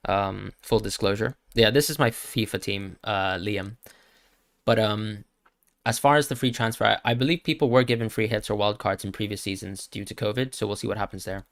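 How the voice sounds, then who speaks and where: A man's voice: fairly low pitch, steady tone, moderate pace, fairly bright tone, no echo. A young man from Hong Kong hosting a casual live-stream Q&A, reading out chat questions and answering with many stammered restarts. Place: home streaming setup with green screen. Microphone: new streaming mic.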